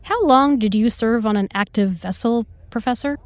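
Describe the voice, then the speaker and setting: A woman's voice: on the high side, normal speed, dry recording, lightly acted. Woman playing a confident, protective starship doctor, close and dry. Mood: cool, cutting. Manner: assertive, pointed, composed. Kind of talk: sci-fi audio drama acting.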